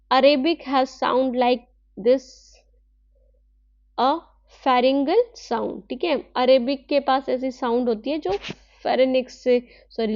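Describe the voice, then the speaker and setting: Female online teacher, high voice, dry and dull lo-fi audio, patient explainer. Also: a little mellow, dry recording. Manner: explains slowly, reads English lines then explains in Hindi; asks rhetorical questions, tag "है ना". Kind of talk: online class lecture.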